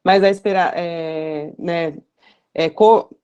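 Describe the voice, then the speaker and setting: A woman with a fairly low voice asks an expert questions in an interview. She reads them out with some hesitation and false starts. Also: steady tone, slow, mellow, clear, resonant tone, dull audio.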